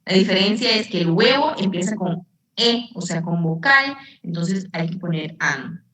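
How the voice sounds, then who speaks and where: A woman's voice: fairly low pitch, animated, normal speed, fairly bright tone. A female English teacher, patiently explaining a lesson and quizzing her class. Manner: patient, repeats and asks the class questions. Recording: echoey room, distant mic.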